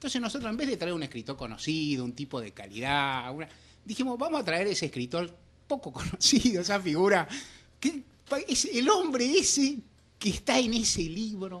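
A man speaks with an Argentine accent at a high pitch. His pitch swings very widely. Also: moderate pace. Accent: Rioplatense Argentine Spanish. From Argentina. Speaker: radio host. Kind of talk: radio interview. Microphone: studio mic.

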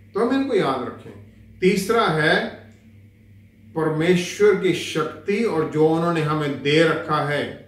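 A man's fairly high voice at a very slow pace, with lively intonation and audible room echo. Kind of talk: sermon / Bible teaching. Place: home room.

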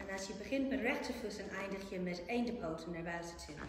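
Against light background noise and audible room echo, a woman talks at a moderate pace. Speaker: yoga teacher. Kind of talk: tutorial. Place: gym. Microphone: camera far.

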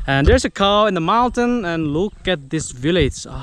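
At a moderate pace, a man speaks in a dry sound with no echo, with noticeable background noise present. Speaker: travel vlogger. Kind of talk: casual vlog chat. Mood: cheerful, joking. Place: open country. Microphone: phone near.

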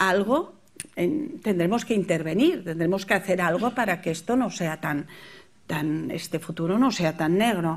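A woman talks rather slowly, her intonation lively. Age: 60s. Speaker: foundation representative; speaker. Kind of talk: conference talk. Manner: halting. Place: hall.

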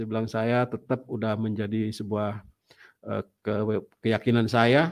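Against a quiet background, a man speaks in a plain, everyday voice at a medium pitch with fairly even intonation. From West Java (Sukabumi, Sundanese); West Java. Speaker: pastor and evangelist; pastor, evangelist. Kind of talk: testimony. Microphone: earbuds.

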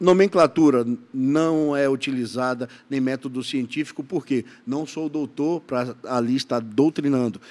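The pace is fairly slow, with ordinary pitch variation. A man speaks at a fairly high pitch. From Bahia, Brazil. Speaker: bodybuilder; podcast guest. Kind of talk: casual chat. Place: studio. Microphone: studio mic.

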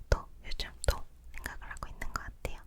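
A woman whispers while noticeable background noise fills the recording. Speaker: ASMR YouTuber. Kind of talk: whispered chatty ASMR talk to camera. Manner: whispering, soft, intimate.

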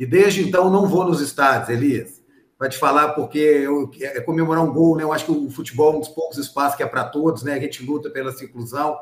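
Against audible room echo, a man speaks at a fairly quick pace with a fairly high pitch and fairly even intonation. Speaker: institute founder; remote guest. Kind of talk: interview. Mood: warm, reflective. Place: office.

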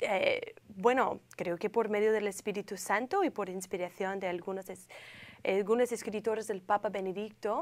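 A woman keeps a moderate pace, with fairly even intonation. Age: young. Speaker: guest. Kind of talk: interview. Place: studio. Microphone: lapel.

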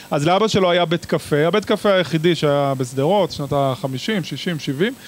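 A man speaks at a moderate pace with a fairly high pitch. The sound is dry, with no echo. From Israel. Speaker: activist. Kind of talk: speech. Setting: stage with audience. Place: hall. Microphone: handheld.

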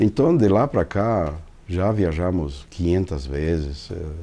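A man with a Spanish accent speaks in a very deep, low pitch and a dark, mellow tone, with ordinary pitch variation. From Bolivia, La Paz. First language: Spanish (speaking Portuguese). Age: 60s. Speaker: composer and guitarist; interviewee. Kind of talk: personal testimony interview; interview answer. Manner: halting. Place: studio. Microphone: lapel.

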